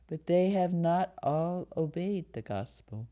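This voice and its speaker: A woman reads scripture solemnly as a lay reader. Her voice is low and soft-edged, and she takes the text very slowly, phrase by measured phrase. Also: expressive.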